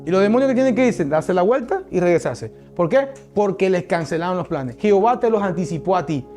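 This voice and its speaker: A man's voice: high voice, expressive, fairly quick, a little mellow, soft background music. A male pastor preaching a sermon, emphatic and speaking straight to his congregation.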